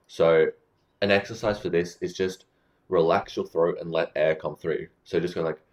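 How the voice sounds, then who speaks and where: A man with a very low voice talks straight to camera, giving laid-back advice on communication. He explains things plainly and keeps checking in with the listener as he goes. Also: moderate pace, muffled recording. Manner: relaxed, explanatory, checks in with "right?". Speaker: communication coach. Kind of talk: casual advice talk to camera.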